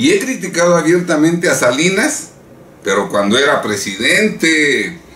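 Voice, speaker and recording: With audible room echo and noticeable background noise, a man speaks fairly slowly in a high pitch, swinging very widely in pitch while keeping his loudness very even. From Mexico. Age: 60s. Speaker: political commentator. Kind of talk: political commentary monologue.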